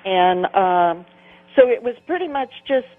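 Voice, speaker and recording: A woman's voice: mid-range voice, lively intonation, unhurried, soft background music. Woman in her eighties on a dull line. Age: 80s. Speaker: radio guest.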